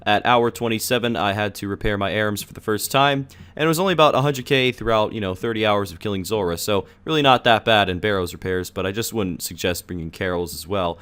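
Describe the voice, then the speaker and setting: A young man who is sick and losing his voice, talking casually over his gameplay footage as a gaming video creator, relaxed and chatty with frequent "uh"s and "you know"s. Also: fairly low pitch, fast talker, few pauses, clear, resonant tone. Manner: relaxed, chatty, filler-heavy.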